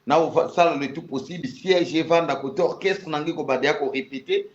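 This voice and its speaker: A Congolese man with a Congolese French accent, a musician guest in a casual interview, repeating warm greetings. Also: fairly high pitch, brisk. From Republic of the Congo. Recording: roomy, dull lo-fi sound.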